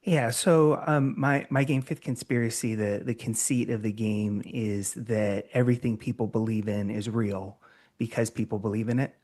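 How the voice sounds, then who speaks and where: A man's voice: fairly low pitch, fairly even intonation, moderate pace, a little mellow. A man on a convention panel, methodically explaining his tabletop game design.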